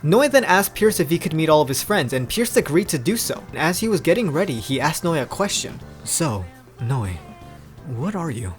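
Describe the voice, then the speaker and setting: Young man, casual story host, higher-pitched voice, animated reactions, faint background music. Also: fairly quick, hardly any pauses. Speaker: video host reading fan fiction aloud. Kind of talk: casual storybook reading with chatty commentary.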